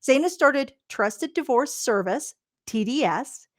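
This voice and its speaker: A woman hosting a podcast interview, bubbly and energetic, talking with many fillers and restarts. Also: sits high, slow. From Canada. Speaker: podcast host.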